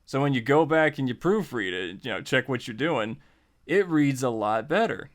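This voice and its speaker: A man's voice: medium pitch, expressive, normal speed. A man hosting a tutorial in a casual, conversational way, informal and repeating phrases for emphasis. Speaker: host of a tutorial series. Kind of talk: casual, conversational writing lesson.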